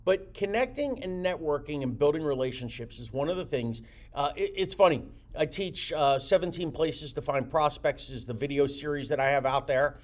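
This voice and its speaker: This real estate coaching host from the United States speaks at normal speed in an animated voice on the high side. He teaches motivationally and energetically, repeating words and leaning on many fillers.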